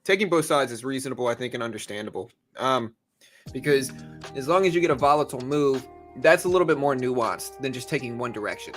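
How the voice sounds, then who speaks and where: A man's voice: medium pitch, animated, quick pace, a bit bright, soft background music. A man hosting a livestream, chatting casually and informally, speaking directly to his viewers. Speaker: livestream host.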